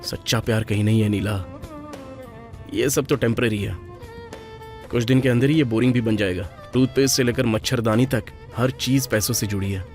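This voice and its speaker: A man's voice: mid-range voice, fairly even intonation, normal speed, darkish tone, faint music behind, natural voice. A man in a dubbed film playing a cynical grown man, blunt and mocking. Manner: blunt, sarcastic. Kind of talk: Hindi film dub.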